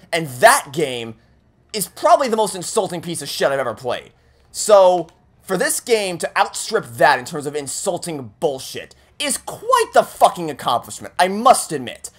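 A man with a somewhat higher voice commentates casually on a game he is playing. He sounds exasperated, swears freely and repeats words anxiously. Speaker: video game streamer.

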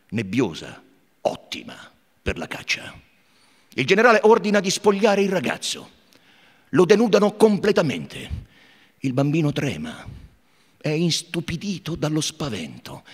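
A male actor giving a theatrical literary reading, dramatic and hushed in its grim passages. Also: fairly high pitch, wildly swooping pitch, moderate pace, pauses often, breathy edge. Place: theatre stage before an audience. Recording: long hall reverb.

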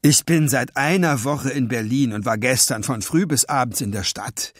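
A man reading aloud and voicing a middle-aged thief who lies politely and offhandedly, lower and softer than his narration. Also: moderate pace, no room sound, studio quality, natural voice. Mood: sly. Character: smooth lying middle-aged male thief, politely sly.

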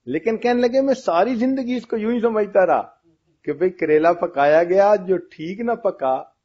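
A man's voice: high-pitched, darkish tone. A man giving a religious lecture, telling funny anecdotes and asking his audience questions. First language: Pashto-region colleagues mentioned, not him. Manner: storytelling, asks the audience questions. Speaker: Islamic lecturer. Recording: dull lo-fi audio.

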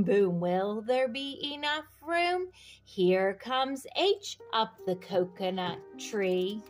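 A woman reads a children's book aloud in a fairly high voice. Her delivery is very unhurried and sing-song, with expressive phrasing aimed straight at young kids. Light music plays along.

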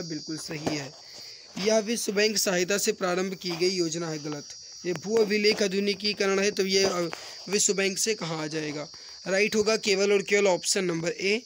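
High voiced guy teacher running thru mock test questions briskly, some rattling wind noise behind him. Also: fairly bright tone. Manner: brisk, addresses viewers as brothers and friends, repeats questions. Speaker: online exam-prep teacher. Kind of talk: mock-test quiz lesson, reading and answering questions. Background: wind noise from a storm outside.

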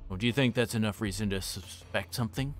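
A man with a fairly low voice hosts a gaming livestream. He speaks casually and reads visual novel text aloud, with a halting delivery that stumbles now and then. Music plays faintly behind him.

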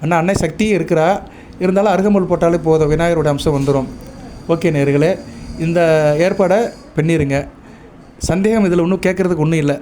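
A man with a Tamil accent giving devotional advice to viewers, measured and instructive, stopping often to check that listeners follow. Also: a little high, a little hiss or hum. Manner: chants mantras and praise lists in a steady recitation. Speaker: astrologer.

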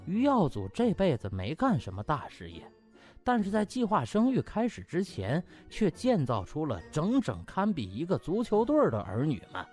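A man's voice: a little high, huge pitch swings, moderate pace, a little mellow, faint music behind. A man narrating a comic novel as an audiobook, theatrical and colloquial in his delivery. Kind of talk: comic scripted storytelling.

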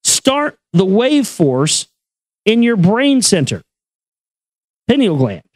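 High-pitched man, slow solemn reciting. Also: big pitch swings, no room sound, clean studio sound. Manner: incantatory, measured, deliberate. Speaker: reader and commentator. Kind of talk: solemn recitation of an esoteric text with brief asides.

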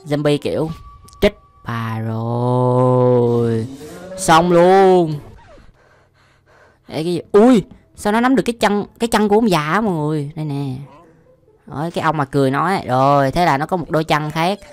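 With a fairly high, slightly mellow voice, a young Southern Vietnamese-accented man hosts a video at normal speed, pausing often. His reactions are casual and slangy, full of exclamations and frequent laughter.

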